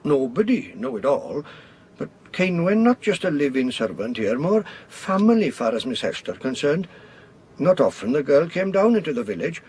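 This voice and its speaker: An actor playing a deferential rustic manservant in a radio horror play, speaking in a halting, folksy way. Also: male voice, fairly high pitch, very animated, darkish tone, husky. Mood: reluctant, brooding. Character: deferential rustic manservant, plain-spoken and hesitant.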